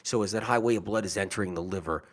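A man's voice: fairly low pitch, quick pace. A man talking casually and earnestly to his audience about health, rambling and often repeating himself. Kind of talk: casual monologue.

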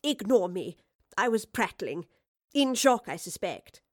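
A woman's voice: medium pitch, sing-song, a little mellow, no echo, studio quality. A woman voicing an educated young Victorian lady inventor, earnest and anxious, in an audiobook story. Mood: evasive, resigned. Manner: well-spoken, earnest, halting when explaining. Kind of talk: acted audiobook dialogue.

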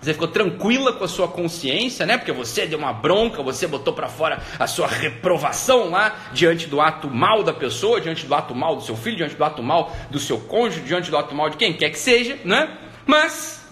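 A man hosting a casual live stream, rambling along and tagging "né?" onto his sentences, his voice getting animated as he retells exchanges. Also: on the high side, normal speed, slight background noise. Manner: rambling, repetitive "né?" tags, animated when retelling. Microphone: streaming mic.

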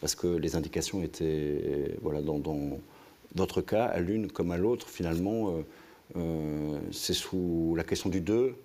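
A man hosting a literary conversation, halting and searching for words with many fillers. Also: sits low, mellow. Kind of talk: interview conversation.

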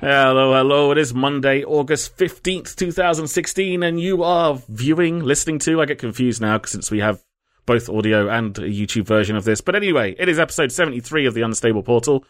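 A man's voice: mid-range voice, brisk, dry recording, clean studio sound. A man hosting a casual podcast, rambling and joking at his own expense. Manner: jokey, rambling, laughs at himself. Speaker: podcast host.

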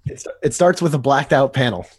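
A man co-hosting a podcast, narrating comic panels aloud with lively delivery. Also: medium pitch, brisk, a crowd in the background. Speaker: podcast co-host.

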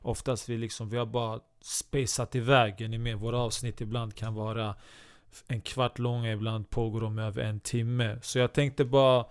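A man hosts a comedy podcast chat, rambling and stopping short to restart his sentences. His voice is clear and smooth at an ordinary pitch. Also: level tone. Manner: rambling, halting, full of restarts. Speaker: host.

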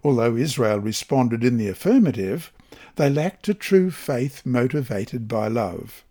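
A man reading a Bible study lesson aloud in a measured, even scripted delivery. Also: medium pitch. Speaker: lesson reader.

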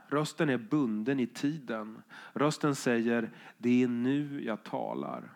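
A man giving a reflective, measured spoken lecture, reading out quotes along the way. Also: mid-range voice, gravelly.

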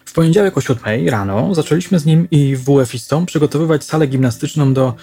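A man voicing a stern, guarded woman headmistress, speaking briskly and coolly. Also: a little high, dark tone, husky, pitched above the performer's own voice.

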